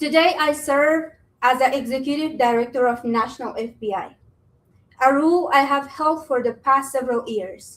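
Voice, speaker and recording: A woman with a non-native accent speaks in a high pitch. Her pace is moderate and her pitch varies in an ordinary way. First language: not English. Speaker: tech training program intern. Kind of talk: prepared speech. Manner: halting, with fillers and restarts.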